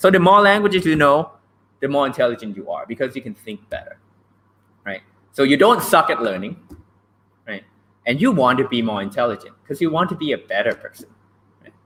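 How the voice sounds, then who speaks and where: An animated man's fairly high voice, bright and sharp in tone, with very wide pitch swings, vocal fry, a fairly quick pace and long, frequent pauses. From Thailand. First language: Thai. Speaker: language learning coach. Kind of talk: live-streamed talk. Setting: livestream.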